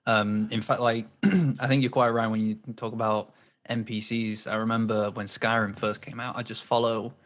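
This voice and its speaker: A man's voice: fairly low pitch, level tone, normal speed. A man hosting an interview, asking questions in a friendly, loose way with plenty of fillers. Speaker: interview host. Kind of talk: casual interview chat.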